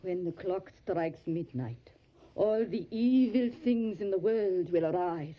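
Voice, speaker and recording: A woman playing a hospitable, anxious Transylvanian innkeeper in an audio drama, with an Eastern European accent and halting, solicitous phrasing. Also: fairly low pitch, expressive. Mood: anxious, warning. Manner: halting foreign phrasing, tag questions, solicitous. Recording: dull lo-fi audio, faint music. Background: music.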